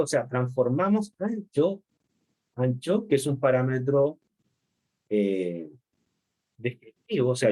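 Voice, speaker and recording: A male chemistry lecturer gives an online class over a computer mic. His voice sits a little high for a man. He keeps stopping to ask his students whether they are following. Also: mellow. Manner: explanatory, checks in with "¿ok?" and "¿no es cierto?". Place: remote class.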